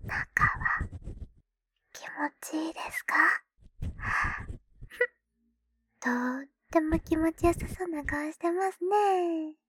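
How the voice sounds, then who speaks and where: A woman's voice: extremely high pitch, steady tone, slow pace, long pauses. A woman voicing a playful, doting schoolgirl little sister who teases her older brother in close, whispered ASMR roleplay. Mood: teasing. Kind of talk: ASMR roleplay with ear cleaning.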